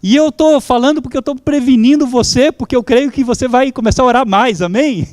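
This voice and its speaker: A man's voice: very high voice, brisk, darkish tone, dry recording, clean studio sound. A man whose first language is German, preaching a sermon as pastor, fervent and calling out to his congregation.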